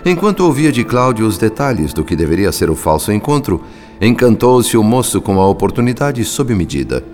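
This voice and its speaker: Um ator brasileiro interpretando um espírito narrador de radionovela, observador, solene e literário. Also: male voice, lowish voice, very animated, darkish tone, faint music behind. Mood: grave, observant. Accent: Brazilian. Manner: measured, literary, solemn. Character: grave, thoughtful male spirit narrator observing human families. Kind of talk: scripted radio drama narration.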